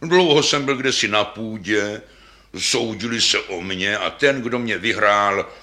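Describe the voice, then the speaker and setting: A man voicing an old, dignified male double bass in a storybook, speaking slowly and courteously with sighs. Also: sharp tone. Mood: wistful. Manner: slow, sighing, courteous.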